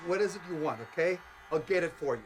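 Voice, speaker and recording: A man's voice: on the high side, animated, fast talker, close to an everyday voice. An actor playing a desperate, pleading older ex-lawman in a western, bargaining anxiously. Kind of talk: western film acting.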